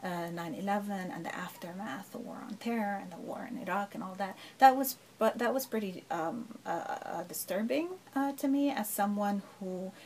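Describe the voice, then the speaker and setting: A woman's voice: medium pitch, normal speed, few pauses, darkish tone, rough recording. A middle-aged woman professor from Lebanon, answering interview questions thoughtfully with frequent fillers and rhetorical asides. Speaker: professor, guest.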